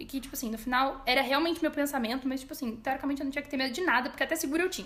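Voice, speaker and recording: Over noticeable background noise, a woman speaks at a very fast pace. Her voice is high-pitched with fairly even intonation. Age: 20s. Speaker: psychologist. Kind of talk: casual chat.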